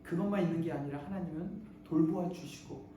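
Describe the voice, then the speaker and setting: High-voiced lively pastor preaching, asks the crowd stuff, big echoey church, a bit far from the mic. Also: male voice, a little fast, slight background noise. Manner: animated, asks the congregation questions, acts out quotes playfully. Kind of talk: sermon. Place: church sanctuary.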